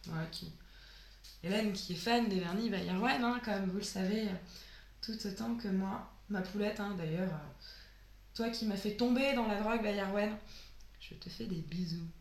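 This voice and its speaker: A sick woman with a hoarse voice, chatting casually through a haul of nail polishes and trailing off with fillers. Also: medium pitch, normal speed, echoey room. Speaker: beauty vlogger.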